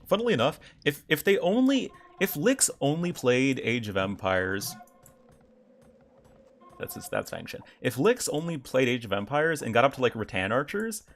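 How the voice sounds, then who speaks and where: A man's voice: mid-range voice, wildly swooping pitch, moderate pace, faint music behind. A young man casually commentating a strategy game on his live stream, chatting with his viewers. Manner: casual, chatty, reacts to chat. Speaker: game caster.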